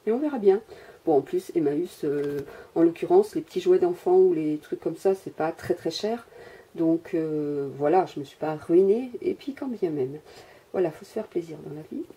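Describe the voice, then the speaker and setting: A woman rambles through a casual crafting show-and-tell, stopping often to hesitate and poke fun at herself. Her voice is very dark and mellow, with a husky, breathy edge. She is recorded through the built-in mic of the camera she holds at home. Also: on the low side, moderate pace. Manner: rambling, self-mocking, many hesitations. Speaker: crafter showing her miniature workshop. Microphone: handheld camera mic.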